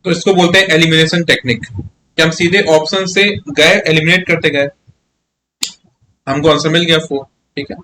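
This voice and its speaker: Chatty maths teacher, slightly high voice. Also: male voice, normal speed, sharp tone, slight background noise. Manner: chatty, coaxing, keeps asking students "yes or no?". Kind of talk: live online maths class.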